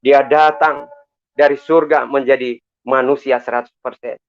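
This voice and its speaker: A man's voice: medium pitch, steady tone, moderate pace. A middle-aged man from Makassar giving an earnest, preacherly church testimony, often calling out to his listeners. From Makassar, Indonesia. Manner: earnest, preacherly, repeatedly addresses listeners as brothers. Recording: tinny phone-like sound.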